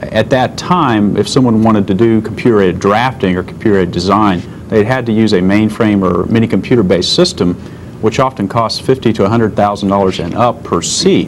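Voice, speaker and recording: A man's plain, everyday voice, fairly low in pitch, at a fairly quick pace with ordinary pitch variation and light background noise. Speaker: software company sales representative. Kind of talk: interview answer. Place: studio. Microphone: lapel.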